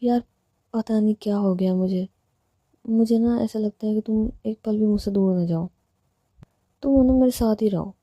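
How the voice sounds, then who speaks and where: A woman's voice: mid-range voice, moderate pace, pauses often, mellow, dry recording, natural voice. A woman voicing a playful, teasing young woman in love who coaxes and plays with words. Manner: teasing, coaxing, wordplay.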